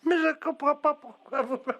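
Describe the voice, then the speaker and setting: A man's voice: extremely high pitch, steady tone, moderate pace, bright, forceful tone, no room sound, full character voice. A man playing a meddling, half-deaf old woman on a prank phone call, who pretends to mishear and keeps pestering in a mock-sweet way. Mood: muddled. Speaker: prank caller.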